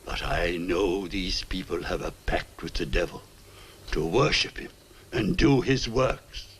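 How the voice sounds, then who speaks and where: Old blind preacher in a 60s horror movie, deep husky voice, solemn, slow. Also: male voice, expressive, fairly bright tone, heavily acted. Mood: grave, foreboding. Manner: grave, solemn, formal. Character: weary blind old clergyman, solemn and god-fearing. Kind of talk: 1960s horror film acting.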